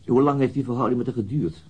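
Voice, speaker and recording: A husky, brisk police inspector. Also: male voice, medium pitch, darkish tone, poor audio. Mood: hesitant, probing. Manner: halting, formal, probing. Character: awkward, courteous, persistent male police inspector. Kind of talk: radio drama dialogue.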